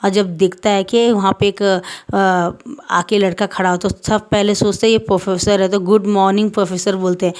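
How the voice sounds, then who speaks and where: A woman's voice: medium pitch, level tone, moderate pace, clear, resonant tone. A woman casually narrating her own fan fiction, rambling and correcting herself mid-sentence.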